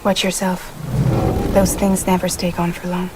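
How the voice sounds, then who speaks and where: An actress playing a guarded young female courier who talks in dry, clipped, quietly wry lines, in a video game cutscene. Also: on the low side, completely flat delivery, moderate pace, very noisy, close to an everyday voice. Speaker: courier company leader. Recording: game cutscene with loud score.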